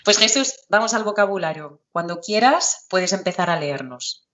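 A woman's voice: mid-range voice, animated, normal speed, fairly bright tone, dull audio. A woman hosting a podcast interview, asking questions in an enthusiastic way. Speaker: podcast host.

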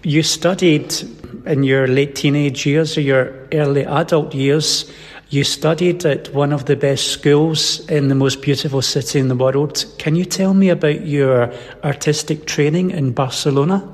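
A man interviewing someone with measured, articulately phrased questions. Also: a little high, fairly even intonation. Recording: long echoing reverb in a hall.

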